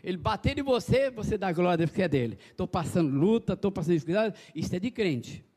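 High-voiced preaching man. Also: fast talker. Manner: folksy, animated preaching with calls to the congregation. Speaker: pastor. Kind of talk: evangelical sermon.

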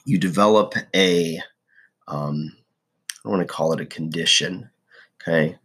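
A deep, hoarse man in his forties gives a casual motivational monologue as host of a video podcast. His husky, rough voice is fairly bright and measured, and he clears his throat often while staying folksy and self-deprecating, checking in with "okay?" and "right?".

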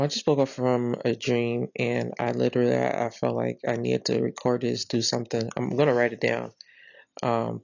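A woman's voice: a bass voice, gravelly, a little mellow, dry recording. A woman, hosting a podcast and retelling a dream in a rambling, earnest way with lots of fillers and restarts. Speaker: podcast host. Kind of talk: casual spoken retelling of a dream. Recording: dry, slightly dull lo-fi recording.

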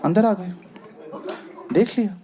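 A man performing stand-up comedy, telling a self-mocking story in an animated way. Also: high-pitched, slow pace, noisy background. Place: comedy stage. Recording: live show with loud crowd laughter.

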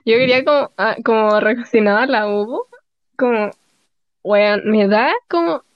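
A woman's voice: on the high side, a little slow, muffled recording, slight background noise. A young woman from Chile with a Chilean Spanish accent, co-hosting a podcast in casual chat. She rambles and fills her speech with filler words. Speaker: podcast co-host.

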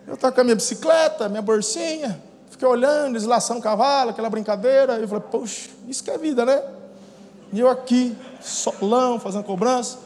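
A man with a Brazilian Portuguese accent, a pastor telling lively stories in a sermon, acting out scenes with shouts and laughter. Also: very high-pitched, fairly quick. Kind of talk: storytelling sermon. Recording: long hall reverb, faint noise.

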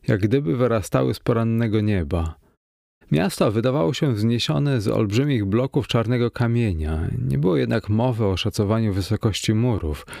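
A man narrating an adventure audiobook in a measured, steady manner. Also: mid-range voice, creaky, no room sound, studio quality. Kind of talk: scripted narration.

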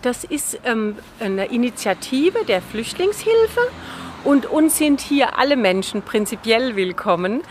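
A woman's voice: a little high, very animated, unhurried, darkish tone, slight background noise. A woman organizer explaining her initiative in an interview, hesitant and full of fillers.

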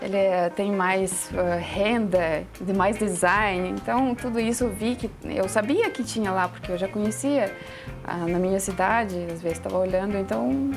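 Over music in a TV studio, a Russian-accented fashion designer from the Urals answers a talk show host's questions, groping for words in a language that isn't her first. She speaks at a moderate pace with a medium-pitched voice.

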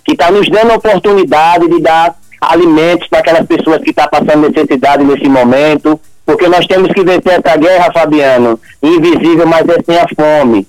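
A man's voice: a little high, moderate pace, few pauses, no room sound, low-quality recording. A man with a Northeastern Brazilian accent talking informally on the radio as a guest, effusive and folksy. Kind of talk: informal heartfelt radio talk. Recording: music behind the voice.

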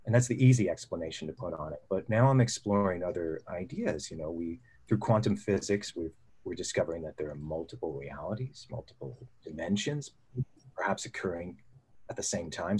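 A man's voice: deep voice, darkish tone, slightly rough. A middle-aged man, a filmmaker guest, earnestly recounting a personal experience in casual conversation, often restarting his sentences. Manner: earnest, reflective, frequent restarts. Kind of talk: casual storytelling.

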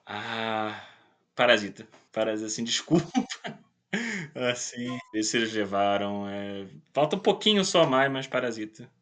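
A man's voice: fairly low pitch, a little slow, fairly bright tone. A man in his late twenties with a Brazilian Portuguese accent, chatting informally and jokily as an interview guest. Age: late 20s. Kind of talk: casual chat.

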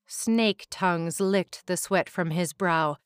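A woman reading a fantasy short story aloud in a slow, measured narration. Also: fairly low pitch, clean tone, no room sound. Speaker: story reader.

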